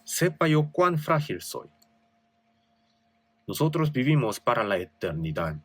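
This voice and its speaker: A man's voice: medium pitch, very animated, unhurried, husky, dry recording. A male pastor with a Korean accent preaching a sermon, reading scripture with rising emphasis and asking rhetorical questions.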